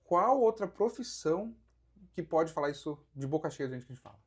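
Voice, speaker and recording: A man's voice: fairly high pitch, expressive, fairly quick, slightly rough. A Brazilian man with a Brazilian Portuguese accent, a podcast guest who explains real estate investing with rhetorical questions. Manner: explanatory, counts through figures, asks rhetorical questions. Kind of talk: casual podcast conversation.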